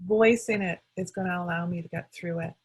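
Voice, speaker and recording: A woman practitioner guiding a call-and-response tapping session, speaking calmly in short phrases for her client to repeat. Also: fairly low pitch, a little fast, breathy edge.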